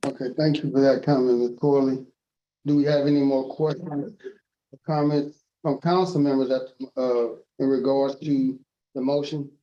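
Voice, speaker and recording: A man's voice: mid-range voice, steady tone, normal speed, dull audio. A man chairing a council meeting over a video call, speaking in a conversational, procedural way with some restarts.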